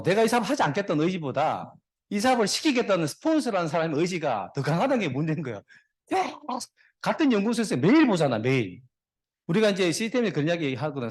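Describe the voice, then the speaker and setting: Middle-aged male guest speaker, joking storyteller, rapid and lively. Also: a little high. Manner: jokey storyteller, dad jokes, talks to the audience. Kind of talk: motivational speech.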